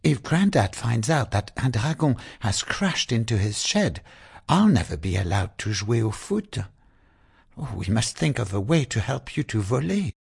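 A man voicing a lively young girl who talks in an excitable way. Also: mid-range voice, slow pace, vocal fry, slightly rough, dry recording, studio quality, pitched above the performer's own voice, exaggerated voice. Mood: urgent.

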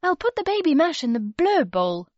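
A woman's voice: high voice, very animated, normal speed, darkish tone, no echo, lo-fi sound, voice pushed up. A woman voicing a sensible young girl in a storybook, careful and a little doubtful.

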